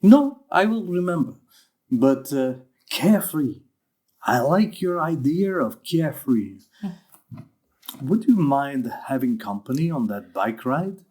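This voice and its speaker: An actor playing a gentle, courting foreign man who is learning English and searches for his words. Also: mid-range voice, animated, takes it slowly, breathy edge. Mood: hesitant, hopeful. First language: not English, a learner of English.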